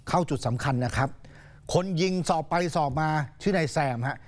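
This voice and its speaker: A male news anchor tells the story in a loose, conversational way, keeping it chatty and casual. His voice sits a little high, and his delivery is relaxed and talkative. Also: moderate pace. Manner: casual, chatty, uses polite particles.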